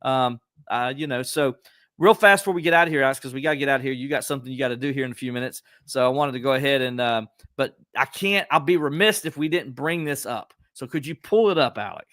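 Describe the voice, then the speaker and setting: A man's voice: quick pace, no room sound, clean studio sound. A man hosting a casual sports podcast, talking animatedly and acting out quotes. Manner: animated, acts out quotes with pitch jumps.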